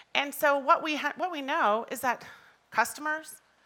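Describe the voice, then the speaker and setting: A woman speaks in a high, bright, sharp voice that is raised and projected. Her pace is fairly slow, with ordinary pitch variation. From Canada. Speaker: customer experience executive. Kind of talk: conference talk.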